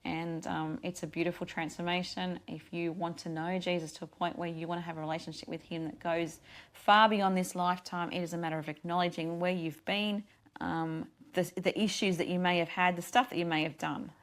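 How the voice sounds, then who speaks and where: A woman's voice: lowish voice, fairly even intonation, brisk. Tired woman radio host, losing her voice. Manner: earnest, rambling, frequent restarts. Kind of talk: casual devotional radio talk.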